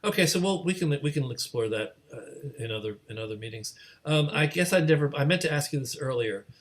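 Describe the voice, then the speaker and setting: A man's voice: fairly high pitch, expressive, brisk. A man hosting a question session on a video call, casual in style, with a hesitant, meandering way of talking. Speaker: host, moderator.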